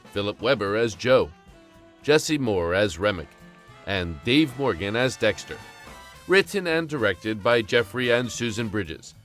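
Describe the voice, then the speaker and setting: A man's voice: on the low side, a bit bright. A man reading scripted credits as announcer for an audio drama.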